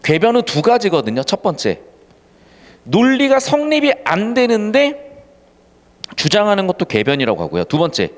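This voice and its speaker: A man tutoring students in an exam-prep lecture, animated, mixing casual and polite speech and acting out example lines. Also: sits high, normal speed, pauses often, big-room sound. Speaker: Korean literature tutor.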